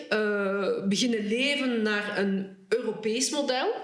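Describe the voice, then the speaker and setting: Amid noticeable background noise and audible room echo, a woman talks at a fairly high pitch with lively intonation. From Congo, raised in Flanders. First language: Lingala (speaking Dutch). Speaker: historian and author on Congo. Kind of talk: podcast interview.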